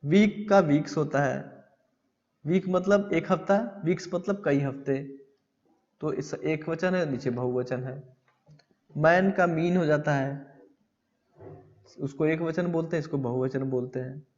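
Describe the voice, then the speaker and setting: A man teaching English grammar in a classroom style. He reads English lines slowly, explains them in Hindi, and asks questions that he answers himself. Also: fairly high pitch, darkish tone. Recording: dull lo-fi audio with long reverb.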